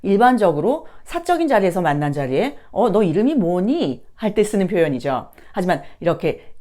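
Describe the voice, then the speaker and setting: A woman's voice: mid-range voice, very animated, normal speed, warm tone. A woman giving an instructional lesson as a teacher and host, politely explaining and carefully pronouncing example phrases. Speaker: English teacher and video host.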